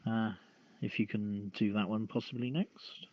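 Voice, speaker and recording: A man hosting a news podcast, reading stories and adding casual asides in a halting delivery. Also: on the low side, level tone, slight background noise. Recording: dull lo-fi audio.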